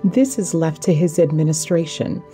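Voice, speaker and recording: A woman giving slow, dramatic scripted documentary narration. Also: deep voice, animated, music in the background.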